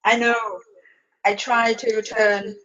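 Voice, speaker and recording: A woman's voice: on the high side, little pitch movement, slow, fairly bright tone. A woman hosting a webinar from her phone on a video call, her voice echoing back from a second device, giggling and speaking in simple broken English. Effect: echo of her own voice from a second device. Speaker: webinar host. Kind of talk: casual webinar setup chat. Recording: dull lo-fi sound with echo from a second device.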